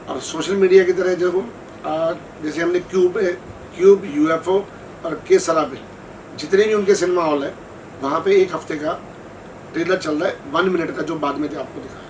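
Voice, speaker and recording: Higher-pitched man, distant and noisy. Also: steady tone, moderate pace, a little mellow. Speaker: filmmaker at a press event. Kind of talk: unscripted press conference answers. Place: press event room. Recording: distant mic, noisy room.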